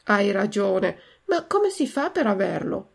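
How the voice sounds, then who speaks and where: A woman's voice: mid-range voice, sing-song, measured pace, creaky, breathy edge, full character voice. A woman reading a poor kindly old father. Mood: gentle.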